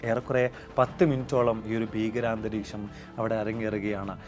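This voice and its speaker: A man hosting a video explainer, narrating in an earnest, measured way on a lapel mic, with his sentences sinking softer at the end. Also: lowish voice, fairly even intonation, soft background music. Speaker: YouTube explainer host. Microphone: wireless lapel mic.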